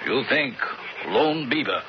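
Through a dull, hissy radio broadcast comes a solemn Native American man. He speaks very slowly in stilted broken English, guarded and formal, with the gravity of a loyal blood brother in a western radio play. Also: medium pitch, expressive. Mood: grave. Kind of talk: old-time radio drama acting.

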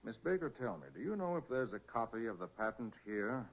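Shrewd male detective, old radio crime show, lively pitch, muffled lo-fi sound. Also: brisk. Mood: probing, businesslike. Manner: probing, questioning, decisive. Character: brisk, shrewd male private detective, master sleuth. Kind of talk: 1940s radio crime drama acting. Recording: dull, muffled 1940s radio recording.

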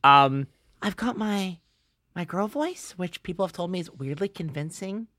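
A young adult man co-hosting a casual podcast, teasing and wry with deadpan jokes. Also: high-pitched, moderate pace, no room sound. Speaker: podcast co-host. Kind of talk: casual chat.

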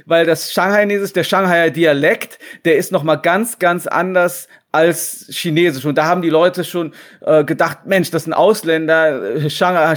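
A man in his thirties, a guest talking casually at home over a video call, hesitant with many restarts. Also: on the high side. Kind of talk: casual remote interview.

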